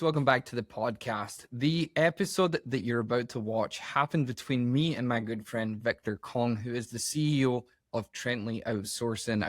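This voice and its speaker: A man's voice: medium pitch, dry recording, studio quality. A man hosting a podcast interview, talking in an upbeat, enthusiastic, chatty way. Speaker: podcast host.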